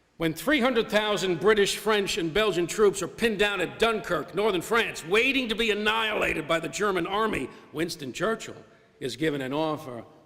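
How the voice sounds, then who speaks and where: A man with a New York accent speaks at a high pitch and moderate pace with lively intonation over noticeable background noise. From New York City. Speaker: historian and guest lecturer. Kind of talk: lecture. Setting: lecture hall with live audience.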